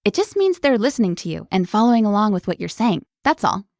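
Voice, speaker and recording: A woman hosting a language lesson, explaining words clearly in an upbeat, scripted way. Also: medium pitch, very animated, fast talker, darkish tone, no echo, studio quality.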